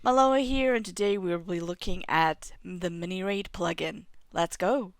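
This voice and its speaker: A woman in her thirties walks through game settings step by step, her voice low and gravelly from a cough. She talks into a headset mic at home, and the sound is close and dry, with the odd throat clear. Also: unhurried, no room sound. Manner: steady step-by-step explaining, clears throat now and then. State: has a cough. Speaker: game tutorial host. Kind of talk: screen-recorded game tutorial. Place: home room.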